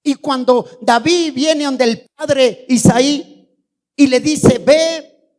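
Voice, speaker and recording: Man, pastor, church sermon, unhurried delivery, rhetorical questions. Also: very high voice, a little mellow. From Colombia. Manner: fiery preaching with rhetorical questions to the congregation.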